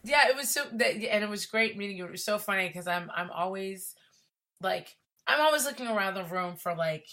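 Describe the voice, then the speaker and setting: Woman, podcast guest, casual chat, animated, laughs a lot, mid pitch. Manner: animated, laughs often, quick asides. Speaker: podcast guest, entertainment writer.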